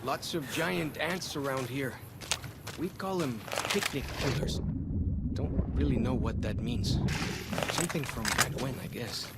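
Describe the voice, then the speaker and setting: An easygoing young tribal scout. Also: male voice, mid-range voice, a little slow, gravelly, very noisy. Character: young male tribal scout, plainspoken and wry. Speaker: game character. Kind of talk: video game dialogue.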